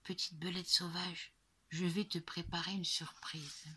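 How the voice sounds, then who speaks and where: A woman voicing a gentle, patient father in a soft, coaxing tone. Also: lowish voice, sing-song, normal speed, slight background noise. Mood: tender.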